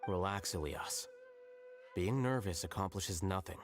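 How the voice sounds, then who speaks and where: Deep, calm, blunt young scholar. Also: male voice, a little slow, soft background music. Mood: calm, firm. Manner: composed, matter-of-fact. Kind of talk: scripted video game voice acting.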